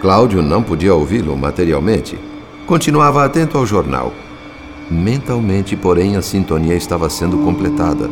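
An actor playing a grave, observant male narrator of spirit-world events in a radio drama, with literary, deliberate delivery. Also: deep voice, big pitch swings, music in the background. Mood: grave storytelling.

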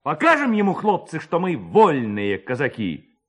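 A man's voice: on the high side, wildly swooping pitch, measured pace, a bit bright, pitched above the performer's own voice, heavily acted. A man voicing a mischievous, spirited young village lad who rallies his friends in a dramatised story reading. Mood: rousing, defiant. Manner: spirited, exclaiming, rallying. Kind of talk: dramatised reading of a classic tale.

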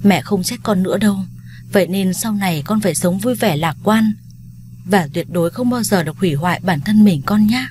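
A woman voicing a loving middle-aged mother, pleading and gently insistent, in a told story. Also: medium pitch, brisk, slight background noise, natural voice. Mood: tender.

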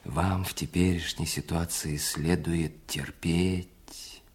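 An actor in an audio play voicing a cunning, embittered spy with a deliberate, theatrical delivery that moves between hushed and emphatic. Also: male voice, low-pitched, fairly even intonation. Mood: cold reproach. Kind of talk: dramatic audio play acting. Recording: music under the voice. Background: music.

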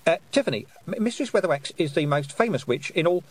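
Fussy teacher witch, stammering, raised pitch, husky, read by a man. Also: animated, quick pace. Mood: flustered. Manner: flustered, stammering. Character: fussy flustered woman schoolteacher witch.

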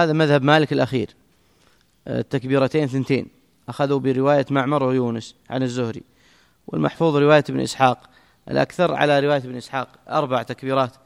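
A man gives classroom commentary at a rapid clip, his voice gravelly with fry. He explains briskly and breaks into quick asides. The sound rings with a long hall reverb. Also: medium pitch. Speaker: teacher explaining a hadith text. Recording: echoey hall.

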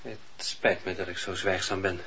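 A male actor playing a stern, anxious, devout middle-aged husband in a radio play, speaking in a measured, formal way. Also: sits low, flat delivery, pushed and bright. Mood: troubled. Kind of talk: Dutch radio play acting. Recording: dull, noisy old radio play tape.

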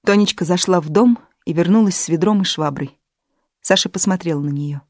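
A woman narrating an audiobook in a measured, even storytelling manner. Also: lowish voice, no room sound, studio quality. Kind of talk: scripted narration.

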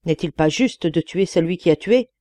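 A woman's voice: expressive, normal speed, warm tone, no room sound, natural voice. A woman voicing a huge, white-haired old male genie who is vengeful and speaks in a terrible tone, in an audiobook reading. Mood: menacing. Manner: terrible, booming tone.

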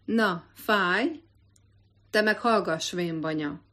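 A woman voicing a haughty, amused young gentleman who teases and talks down loudly. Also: medium pitch, natural voice. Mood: mocking. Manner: teasing, condescending, loud.

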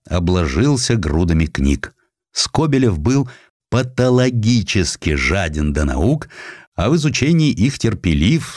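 A man reading historical sketches as an audiobook narrator, in a dramatic, expressive style with drawn-out emphasis. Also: low voice, no echo, clean studio sound.

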